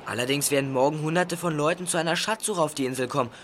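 Casting: male actor as clever teen boy sleuth for radio drama, highish voice, rapid delivery, noisy background. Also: close to an everyday voice. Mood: eager, urgent. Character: eager, clever teenage boy detective. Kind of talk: German radio play acting. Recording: noisy radio play with vehicle ambience.

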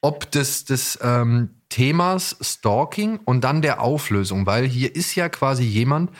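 A man's voice: mid-range voice, animated, measured pace. A man hosting a podcast in casual discussion, searching for his words and often repeating them as he goes. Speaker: podcast host.

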